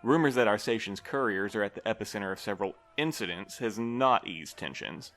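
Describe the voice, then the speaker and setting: A man's voice: lowish voice, expressive, fairly quick, a bit bright. A man playing a harried, earnest station manager in an audio drama, formal and wordy in his delivery. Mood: grave, measured.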